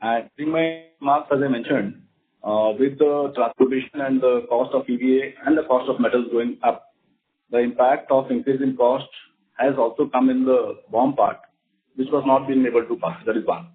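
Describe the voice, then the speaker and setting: Through a thin, phone-like line comes an Indian man with a mid-pitched voice. He sounds like a company executive addressing investors, formal and measured in his delivery. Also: steady tone. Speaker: company executive on an earnings call. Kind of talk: prepared remarks and formal investor answers. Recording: narrow, phone-like conference line.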